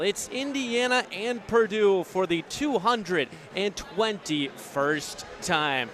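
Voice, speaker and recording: A man's voice: high voice, fairly bright tone. A young American man in his twenties calling sports play-by-play for radio in articulate, flowing descriptive calls. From United States. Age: 20s.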